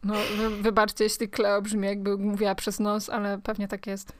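A woman's voice: mid-range voice, monotone, moderate pace, no room sound. Dry-sounding casual woman podcast host.

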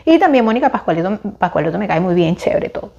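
This film-and-series vlogger, a woman in her forties with a Venezuelan accent, chats casually to camera about her opinions, frequently starting her sentences over. Her mid-pitched voice is fast and expressive with vocal fry, on a muffled recording.

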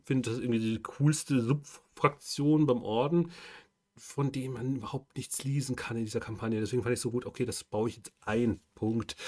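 A man hosting a podcast, talking casually through his ideas and often pausing and restarting his sentences. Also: mid-range voice. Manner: thinking aloud with many fillers and restarts. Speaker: podcast host and game master. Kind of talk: casual monologue.

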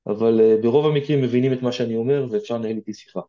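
A man's voice: mid-range voice, muffled recording. A man with an Israeli accent giving informal, direct advice as an interview guest, explaining things conversationally.

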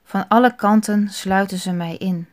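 A woman giving a quiet, thoughtful spoken reflection on a psalm. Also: mid-range voice, steady tone, moderate pace.

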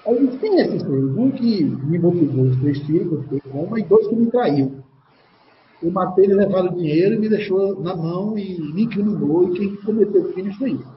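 A man's voice: sits high, animated, fairly quick. A man, a guest in an interview, telling a personal story vividly and acting out what other people said. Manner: vivid retelling that often acts out others' words. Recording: echoey, dull sound with faint noise.

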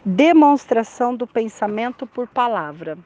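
A woman's voice: fairly high pitch, animated, unhurried, warm tone, dull audio. A woman teaching on prayer and the Bible, praying and reading aloud with emphatic, dramatic shifts of tone.

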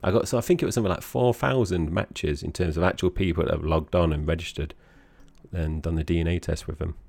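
A man with an Essex accent and a very low, creaky voice. He co-hosts a podcast in relaxed conversation, often pausing to rephrase, and is recorded close and dry. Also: dry recording. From Essex, England. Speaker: podcast co-host. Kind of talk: casual conversational podcast chat.

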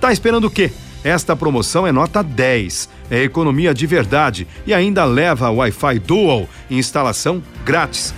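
A man's voice: on the high side, very animated, normal speed, a bit bright, soft background music. A Brazilian man, a radio host, reading a hard-sell advertisement with emphatic, pushy sales delivery.

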